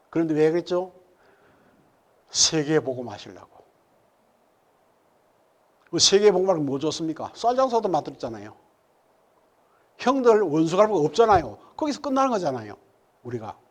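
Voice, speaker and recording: Lively preacher, high voice. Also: male voice. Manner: preaching with rhetorical questions to the congregation; swings from loud emphatic peaks to low murmured asides. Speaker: pastor. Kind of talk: sermon. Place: church sanctuary.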